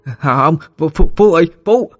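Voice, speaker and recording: A man's voice: fairly high pitch, steady tone, fast talker, husky, no room sound, faint music behind, voice pushed up. A man voicing a stuttering, frightened village boy in an audio ghost story. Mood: stammering. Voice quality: stammering.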